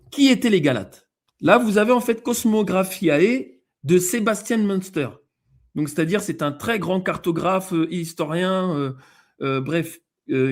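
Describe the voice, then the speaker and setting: A man with an accent, a guest on a show, explaining slides and reading passages aloud, with many fillers and restarts. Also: fairly high pitch. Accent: non-native-sounding accent in French. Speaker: guest presenter.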